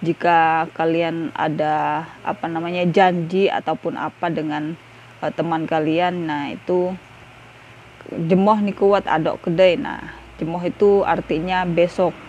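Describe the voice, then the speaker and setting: A woman's voice: deep voice, level tone, a little slow, a little mellow, dull audio, a little hiss or hum. Chatty young woman teaching vocabulary. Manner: chatty, repeats "ya guys", many fillers. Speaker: language tutor. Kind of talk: casual video lesson.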